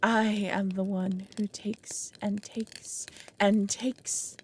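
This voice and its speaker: A woman's voice: medium pitch, flat delivery, drawn-out words, a little hiss or hum. A woman playing an ancient, proud and lonely dragon, speaking solemnly in a dramatic audio roleplay. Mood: bitter, exasperated. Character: ancient lonely female dragon, proud, brooding, reluctant foster mother.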